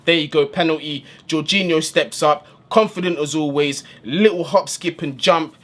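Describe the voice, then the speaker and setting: A man's voice: on the high side, moderate pace, a bit bright. A man giving a casual, slang-filled post-match breakdown as a football fan channel host, recorded indoors in a room. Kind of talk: post-match analysis monologue.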